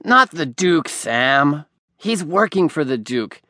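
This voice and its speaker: A slow, matter-of-fact gossip. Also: female voice, low-pitched, sing-song, bright, forceful tone, dry recording, studio quality, full character voice.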